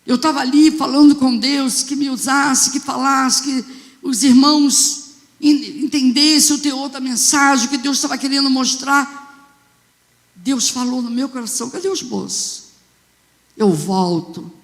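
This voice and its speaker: A woman with a Brazilian accent, a bishop telling a story in a sermon, fervent and swelling into loud exclamations. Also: high-pitched. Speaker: bishop preaching. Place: church sanctuary. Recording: long church reverb.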